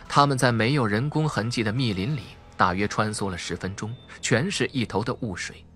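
A man's voice: mid-range voice, fairly bright tone. A man with a Mainland Chinese Mandarin accent narrating a suspense audiobook in a theatrical, dramatic way. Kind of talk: dramatic scripted narration of a crime thriller.

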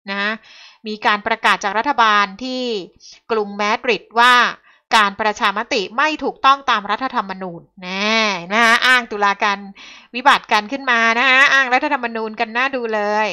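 A woman's voice: fairly high pitch, normal speed, pushed and bright, clear, resonant tone, highs cut off. A woman commenting on the news in a talk show, polite at first and growing heated and emphatic.

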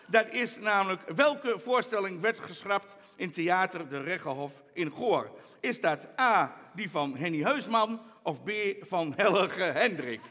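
A man's voice: high voice, lively intonation, bright, forceful tone, big-room sound. A man with a Twents accent doing chatty, teasing stand-up comedy, hosting a quiz from a theater stage. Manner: chatty, teasing, quick asides.

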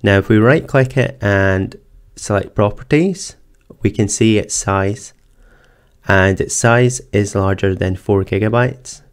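Low, smooth-voiced man explaining software steps. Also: slow. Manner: methodical step-by-step explaining. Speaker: tech tutorial presenter. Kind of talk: screen-recorded software walkthrough. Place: voice-over for screen capture.

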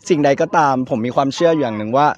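A young man, an actor, answering questions at an outdoor night event in an earnest, measured way. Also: fairly high pitch, dull audio. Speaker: actor guest. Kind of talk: event red-carpet interview. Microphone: handheld mic.

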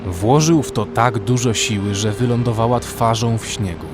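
A man's voice: mid-range voice, normal speed. A man narrating a horror story in the first person, scripted and dramatic. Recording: music behind the voice.

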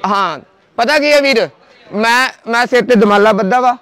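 A man's voice: extremely high pitch, normal speed, a bit bright. A man in a heated face-to-face argument with a relative, insisting again and again that the other man listen to him.

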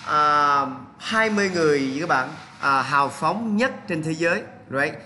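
A man's voice: on the high side, expressive, a little slow, bright, forceful tone, slight background noise. A man with a Vietnamese accent teaching English vocabulary, drilling pronunciation and switching between English and Vietnamese. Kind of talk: bilingual vocabulary lesson.

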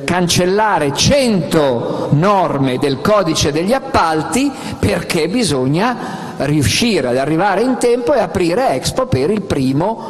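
A middle-aged man presenting his book on a festival stage into a handheld microphone, animated and gesturing, with frequent fillers. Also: a little high, in a large hall. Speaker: author at a book talk. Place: outdoor festival stage with audience.

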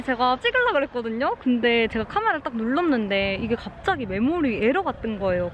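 A woman's voice: high-pitched, highs cut off. Young female vlogger in her 20s, upbeat chat to her viewers, masked, with noise behind her. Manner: chatty, excited, laughing. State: speaking through a face mask. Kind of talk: casual vlog chat.

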